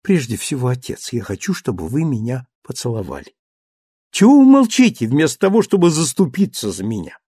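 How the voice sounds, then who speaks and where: A man's voice: mid-range voice, a little fast, slightly rough, no echo, studio quality. A man voicing a playful, petulant young wife who coaxes and pouts. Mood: pouting, coaxing. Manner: coaxing, pouting, lively.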